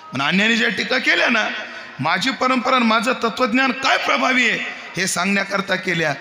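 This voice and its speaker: Kirtan preacher, man, Marathi accent, high ringing voice, booming echo of a large hall with music behind. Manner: jokes with the crowd, breaks into loud chanted verse. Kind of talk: devotional kirtan sermon with sung verses.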